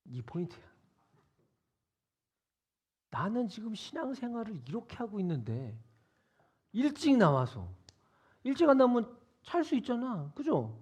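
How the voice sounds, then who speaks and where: A male youth pastor preaching in a church sanctuary. He keeps it casual and interactive, tossing questions to the teens. His voice sits high and moves around a lot. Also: sing-song, measured pace, pauses often, a little mellow, breathy edge. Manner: conversational, quizzing listeners.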